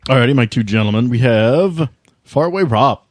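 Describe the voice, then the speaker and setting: A man's voice: mid-range voice, animated, moderate pace, no room sound. A man hosting as game master, chatting casually and joking playfully. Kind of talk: casual podcast banter and game narration.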